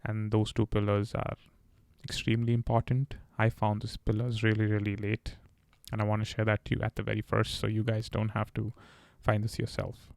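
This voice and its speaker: A man talks earnestly through his advice, now and then catching on a word and restarting. His voice has a gravelly, fry-edged texture and stays level in pitch, with little rise or fall. The sound is close and dry, with no room around it. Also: monotone, moderate pace, no room sound. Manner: earnest, advice-giving, occasional stammers and restarts. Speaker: podcast host. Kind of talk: candid solo podcast talk.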